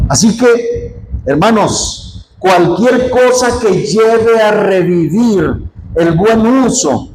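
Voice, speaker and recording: A man preaches to his congregation, his voice pitched fairly high. He tells his story with animation, acts out the dialogue and keeps calling his listeners "hermano". The church sounds roomy and echoey, with faint ambience behind him. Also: darkish tone, a little hiss or hum. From Mexico. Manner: addresses the congregation often as "hermano". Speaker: pastor. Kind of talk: sermon with personal anecdote.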